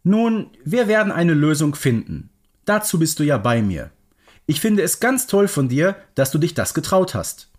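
A man's voice: a little high, very animated, normal speed. A man voicing an old, very kind witch therapist, encouraging, in a children's story. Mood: gentle, encouraging.

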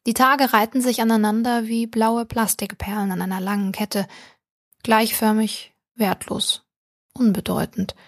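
A woman reading a short story aloud as an audiobook narrator, calm and even, close to the mic. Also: fairly high pitch, measured pace, no echo. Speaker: audiobook reader. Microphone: close studio mic.

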